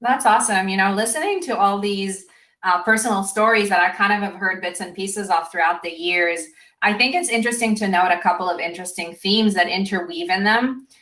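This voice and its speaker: Brief: woman moderator, mid pitch, bright tone, conversational, recorded in an echoey room. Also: a little fast. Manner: thoughtful, conversational. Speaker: panel moderator. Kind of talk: conference panel moderation.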